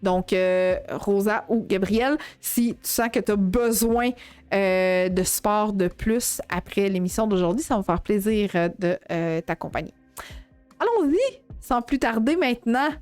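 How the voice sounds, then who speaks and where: A woman's voice: medium pitch, a little slow, a little mellow, clean tone, no room sound, faint music behind. Chatty Québécois woman, full of fillers. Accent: Québécois French. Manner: chatty, heavy on fillers and self-corrections. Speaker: dog behavior trainer hosting a show. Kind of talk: casual live-show talk to viewers.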